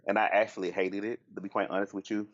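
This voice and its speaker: Southern-drawling man, low and muffled. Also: fast talker. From Southern United States. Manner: animated storytelling, frank and crude. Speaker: podcast guest. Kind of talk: casual chat.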